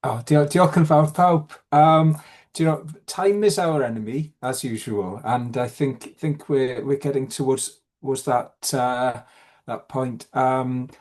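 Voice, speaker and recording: A man from Wales wraps up an online forum in a mid-pitched voice. He talks in halting bursts, full of fillers and restarts. The sound is a video call. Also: steady tone, a little mellow. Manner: hesitant, many fillers and restarts. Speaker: forum chair. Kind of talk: online meeting chat.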